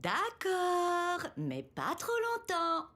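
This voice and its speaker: A woman's voice: extremely high pitch, huge pitch swings, extremely slow, bright, forceful tone, exaggerated voice. A woman voicing a kindly, delighted teacher in a children's cartoon, gracious and gushing. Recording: music behind the voice.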